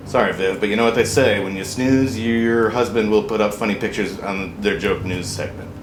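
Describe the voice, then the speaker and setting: A man's voice: lowish voice, steady tone, normal speed, roomy sound, background noise. A man hosting a scripted comedy news segment in a performative, jokey manner. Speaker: comedy show host.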